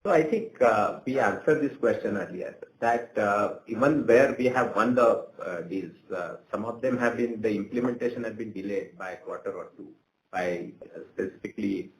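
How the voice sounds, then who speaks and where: A man answering questions as a company executive on an earnings call, phrasing things haltingly. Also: fairly low pitch. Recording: roomy echo, faint background noise.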